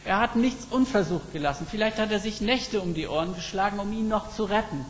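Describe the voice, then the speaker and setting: Male preacher, raised pitch, deliberate storytelling pauses, long hall reverb. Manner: reflective, slow emphatic storytelling. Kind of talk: sermon. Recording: long reverb with faint background noise.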